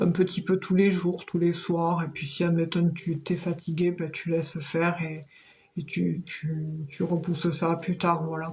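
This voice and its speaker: A woman with a regional French accent speaks at a fairly slow pace in a fairly low pitch. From southern France. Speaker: psychic reader. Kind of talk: live stream chat. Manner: hesitant, many fillers.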